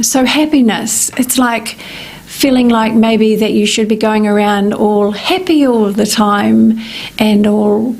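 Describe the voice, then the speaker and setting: A middle-aged woman from New Zealand, a life coach hosting a casual radio talk segment, with a slightly croaky voice and a meandering way of speaking, full of ums and restarts. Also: on the high side, darkish tone, low-quality recording.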